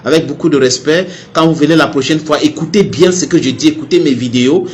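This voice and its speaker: Brief: man from Cameroon, fiery online commentator, somewhat high voice, heated, repeats and stammers. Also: fast talker. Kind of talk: impassioned direct-to-camera rant.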